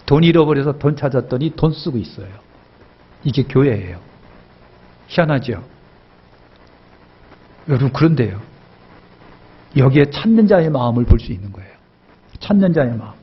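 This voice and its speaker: A male pastor preaching a sermon with emphatic repetition, his voice swelling in pitch and loudness as he presses his points. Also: big pitch swings, moderate pace, pauses often, breathy edge, lo-fi sound.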